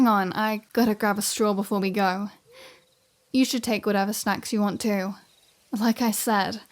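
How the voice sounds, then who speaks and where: A woman's voice: medium pitch, close to an everyday voice. A woman playing a flirty, sardonic vampire in a scripted ASMR roleplay audio drama, with breezy, sarcastic banter. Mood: teasing, casual.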